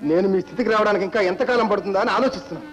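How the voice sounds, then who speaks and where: An actor playing a proud, angry young husband who speaks defiantly and sermonizes, with a husky voice in old film melodrama style. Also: male voice, sits high, very fast, close to an everyday voice, rough recording.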